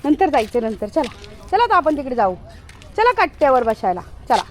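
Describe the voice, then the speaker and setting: A woman's voice: high-pitched, big pitch swings, a little fast. A woman, talking to her pet dog outdoors in a coaxing, repetitive, sing-song way. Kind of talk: casual coaxing talk to a dog.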